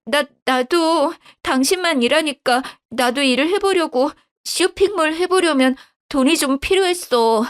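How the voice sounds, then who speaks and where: A woman's voice: a little slow, few pauses. Woman doing a whiny pleading young wife. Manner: begging, stammering, shrill.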